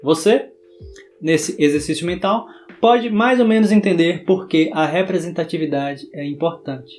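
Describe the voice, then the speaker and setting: Young guy, high voice, bahian sertanejo accent, dramatic scripted narration, soft guitar behind. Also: moderate pace. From interior of Bahia, Brazil. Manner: dramatic, theatrical delivery. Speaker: book vlogger. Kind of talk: scripted video essay narration.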